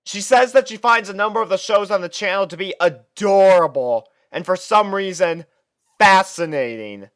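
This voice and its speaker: Guy narrating a story as a fed-up student, clean dry recording, smooth voice, theatrical delivery. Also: high-pitched, moderate pace, no room sound. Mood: exasperated. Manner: expressive, theatrical delivery with sighs. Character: exasperated young male student narrating his life with a roommate. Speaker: fan fiction reader. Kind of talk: dramatic first-person story narration.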